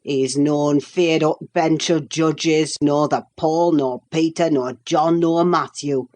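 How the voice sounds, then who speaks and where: A woman voicing a gruff old male servant who speaks in broad Yorkshire dialect, slow and dour, in an audiobook reading. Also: low-pitched, fairly even intonation, a little mellow. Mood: grumbling.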